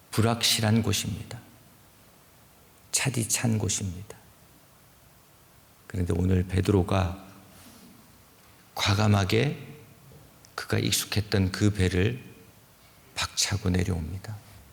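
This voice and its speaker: A man with a Busan accent talks at a very slow pace, leaving long, frequent pauses. His voice is fairly low, somewhat breathy and fairly even in intonation. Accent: Busan dialect (Gyeongsang). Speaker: pastor. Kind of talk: sermon.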